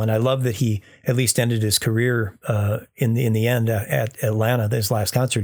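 In a very clean recording with a silent background, a man with a medium pitch speaks somewhat breathily and with fairly even intonation. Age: 50s. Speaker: sound engineer. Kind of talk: casual chat.

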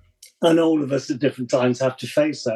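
A man's dark, mellow voice. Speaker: psychotherapist, podcast co-host. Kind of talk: casual chat.

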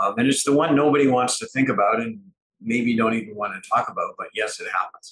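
A man with a Canadian Maritime accent at a fairly quick pace, with big swings in loudness. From Canada, Halifax, Nova Scotia. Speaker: forensic accountant and private investigator. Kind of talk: interview.

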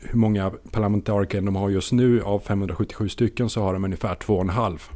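An unremarkable speaking voice from a man, fairly low pitched with fairly even intonation, in a very clean recording with a silent background. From France. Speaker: interest rate strategist at a bank. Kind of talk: interview.

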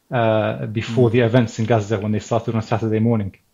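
The man's voice sits at a medium pitch, with a dark, mellow tone and a somewhat breathy quality. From Palestine. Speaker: Islamic scholar and writer. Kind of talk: interview.

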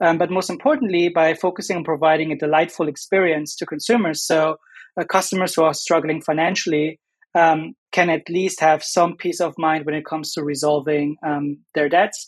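The speaker has a German accent. The pace is fairly quick. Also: man. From Germany. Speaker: startup founder. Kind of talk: panel discussion.

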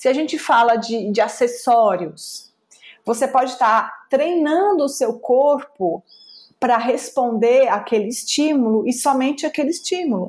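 This woman's pitch runs high and her intonation is lively. She talks at a fairly slow tempo. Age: 40s. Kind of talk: interview.

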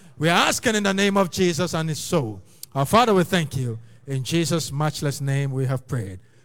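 A man with a plain, everyday voice, fairly high pitch, lively intonation and a moderate pace. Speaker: prayer leader. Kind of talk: fervent group prayer leading. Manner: urgent, exhorting.

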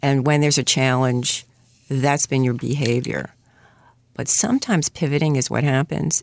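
A woman with a New York accent speaks fairly quickly in a very deep, low voice with fairly even intonation. The recording is very clean and dry, close-sounding with no echo and a silent background. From Queens, New York. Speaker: career coach. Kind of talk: interview.

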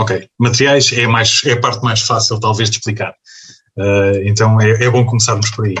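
The speaker has a European Portuguese accent and a monotone, flat intonation. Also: man, medium pitch for a man, moderate pace. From Portugal, Algarve (Lagos). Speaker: illustrator and architect. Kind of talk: casual interview.

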